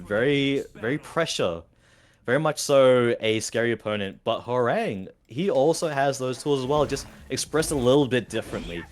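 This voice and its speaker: A man with an Australian accent giving play-by-play and analysis of a fighting game, steady and analytical, lifting with excitement on big moments. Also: medium pitch. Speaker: esports caster.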